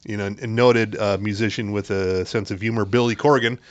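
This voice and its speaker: A man's voice: fairly low pitch, steady tone, fairly quick. Laid-back man on a dull-sounding podcast mic. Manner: rattles off upcoming releases with many fillers; casual swearing. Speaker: podcast co-host. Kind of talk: casual chat. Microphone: podcast microphone that keeps cutting out.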